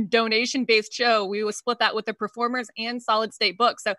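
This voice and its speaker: Bright, giggly woman hosting a comedy show. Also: on the high side, little pitch movement, normal speed, no echo, clean studio sound. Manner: giggly, self-deprecating, with many fillers. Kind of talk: casual comedy show banter. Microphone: video call.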